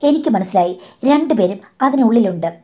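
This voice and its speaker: A woman's voice: mid-range voice, expressive, a little fast, mellow, breathy edge. A woman narrating her own life story in a confiding, indignant tone, often addressing her listener as madam.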